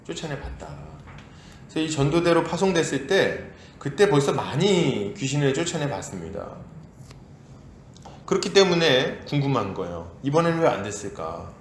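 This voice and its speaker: A male pastor preaching a sermon in a lively, conversational way, acting out quotes as he goes. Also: on the high side, normal speed, reverberant, slight background noise. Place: church sanctuary.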